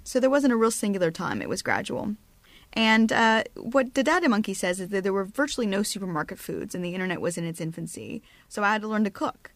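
A woman's voice: medium pitch, no room sound. A woman hosting a podcast in a casual, chatty way, reading listener excerpts aloud. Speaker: podcast host. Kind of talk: casual chat.

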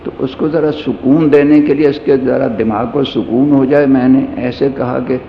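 A man's voice: mid-range voice, steady tone. Man, sermon storytelling, humorous anecdote, dull lo-fi sound, faint hiss. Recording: echoey hall, dull lo-fi sound.

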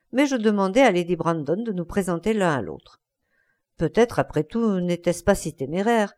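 A woman's voice: medium pitch, a little mellow, lightly acted. A woman reading aloud voicing a sincere young painter, speaking thoughtfully and earnestly.

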